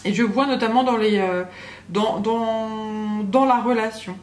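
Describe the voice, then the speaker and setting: A woman's voice: on the high side, steady tone, unhurried. A woman giving a channeled tarot reading to the viewer in a casual, hesitant way, with many fillers and restarts. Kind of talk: casual spoken guidance to the viewer. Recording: echoey room with faint background hum.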